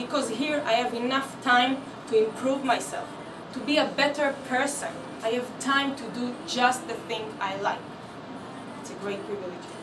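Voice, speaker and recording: A woman speaks at a high pitch with ordinary pitch variation and big swings in loudness. Room echo and noticeable background noise are both present. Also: moderate pace. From Israel. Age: 20s. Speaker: public speaking club member. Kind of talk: prepared speech. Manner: halting.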